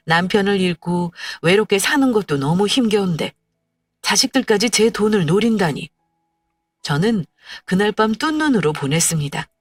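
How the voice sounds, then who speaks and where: A woman narrating a heartfelt first-person story in a plaintive, steady way. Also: on the low side, no room sound. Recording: dry, far from mic, faint music.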